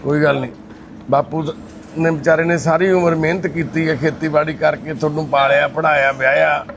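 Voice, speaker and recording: A man's voice: fairly high pitch, fairly even intonation, brisk, vocal fry, background noise. A man, a charity volunteer, soothing and reassuring a crying woman. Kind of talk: consoling conversation.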